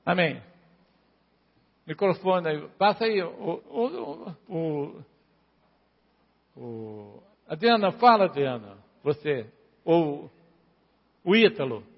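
Husky man preaching in a hall. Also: a little high, big pitch swings, slow, long pauses. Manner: conversational, calls on listeners by name. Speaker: pastor. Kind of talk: informal sermon with congregation. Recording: dull, reverberant hall recording.

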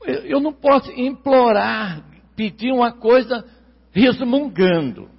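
A man's voice: very high voice, creaky, breathy edge. Brazilian male preacher, emphatic sermon delivery, muffled lo-fi recording with a long hall reverb. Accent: Brazilian Portuguese. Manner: emphatic, repeats key words, stretches them slowly.

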